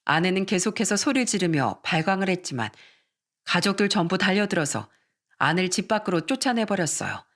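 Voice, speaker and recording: Steady dramatized story narrator. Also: mid-range voice, fairly quick.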